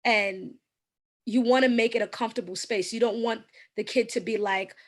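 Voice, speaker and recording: A woman with a slightly raspy voice, a guest giving earnest, explanatory advice in an interview with frequent ums. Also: a little high, fairly even intonation, moderate pace.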